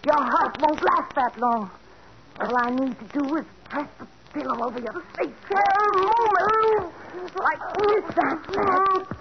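A cold scheming poisoner. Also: female voice, high voice, a little slow. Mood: menacing. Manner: menacing, mock-sweet. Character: scheming young woman poisoner, cold and greedy. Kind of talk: 1940s radio acting. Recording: dull old radio recording with hiss.

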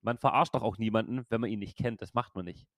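A man's voice: lowish voice, fast, fairly bright tone, dry recording, clean studio sound. A man in his thirties hosting a casual podcast chat, rambling and laughing often, with a loose, swearing way of talking. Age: 30s. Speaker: podcast host and streamer.

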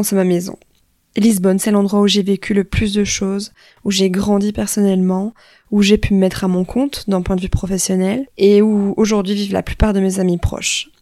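A woman's voice: mid-range voice, dark tone, dry recording. Young woman, close dry sound. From Wallonia, Belgium. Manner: informal, conversational, unscripted. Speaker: podcast host. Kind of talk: spontaneous solo podcast talk.

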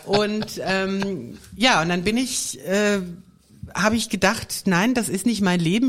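Chatty woman with a light Austrian tinge. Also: medium pitch. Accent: Mainz German with a light Austrian tinge. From Germany (Mainz). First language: French. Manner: chatty, rambling, many fillers and restarts. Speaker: guest. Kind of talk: casual chat in a wine bar.

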